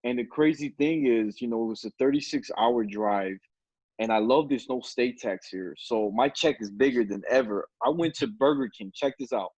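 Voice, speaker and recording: A man's voice: medium pitch, normal speed, darkish tone, slightly rough, no echo. A man in his late twenties hosts over a video call, spinning a story in an easy, laughing way. His mid-range voice sounds dry and slightly muffled, like a plain webcam mic. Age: 20s. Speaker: podcast host. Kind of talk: casual chat on a video call. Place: indoor room at home.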